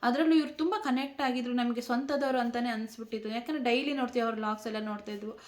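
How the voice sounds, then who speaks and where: A woman's voice: a little high, steady tone, rapid-fire. A woman speaking in an emotional tribute vlog, tearful and pleading, repeating herself. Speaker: vlogger.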